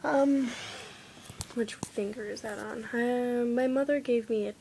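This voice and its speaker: A woman's voice: fairly high pitch, steady tone, measured pace, creaky, dark tone, a little hiss or hum, rough recording. Young woman chatting, often half-whispering. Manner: chatty, rambling, many "like" fillers. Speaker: vlogger. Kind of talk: casual vlog chat. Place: dim room at home lit by candles.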